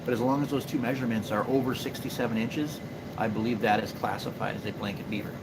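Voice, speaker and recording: A man's voice: mid-range voice, steady tone, quick pace, heavy background noise. A man in his forties with an Upper Midwest accent, chatting casually on a live stream, rambling with fillers and restarts. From Minnesota. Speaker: livestream host and beaver trapper. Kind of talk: casual live stream chat answering viewers.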